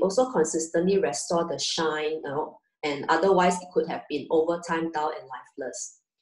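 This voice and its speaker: A woman speaks against a quiet background. Her voice carries an audible room echo. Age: 40s. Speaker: beauty product trainer. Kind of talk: product workshop presentation. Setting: video call. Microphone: video call.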